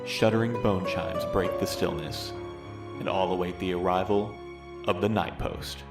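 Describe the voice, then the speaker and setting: A man's voice: low voice, steady tone, normal speed, close to an everyday voice. A man playing a solemn, ominous storyteller, delivering a scripted introduction to a fantasy audio drama. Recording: echoey, distant, under loud music. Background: loud theme music.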